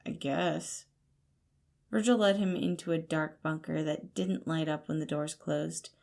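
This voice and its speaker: A woman's voice: low-pitched, normal speed, creaky, a little mellow. A woman reading scripted fiction as the narrator of an audio story. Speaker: podfic narrator.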